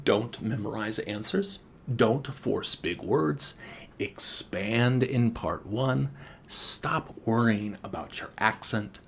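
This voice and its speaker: A man teaching exam speaking skills in a scripted video lesson, speaking deliberately with expressive intonation. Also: fairly low pitch, creaky, slight background noise. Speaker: IELTS teacher and former examiner.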